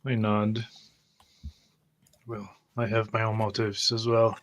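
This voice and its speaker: Slow, low-voiced man roleplaying. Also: flat delivery, slight background noise. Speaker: player in a tabletop roleplay game. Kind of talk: in-character tabletop roleplay.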